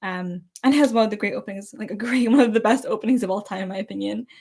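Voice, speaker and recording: Very fast and somewhat breathy, a woman with a Scottish accent speaks at fairly high pitch with ordinary pitch variation on a very clean recording with a silent background. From Scotland. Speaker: anime streamer. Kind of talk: casual live stream chat. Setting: live stream. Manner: animated.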